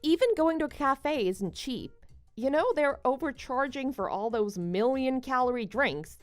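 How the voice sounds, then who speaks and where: Woman acting a high-voiced, devoted wife. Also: animated, a little slow, no echo, soft background music. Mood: doubtful. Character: devoted, slightly needy wife, doubtful but accommodating. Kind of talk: scripted dialogue for an online story drama.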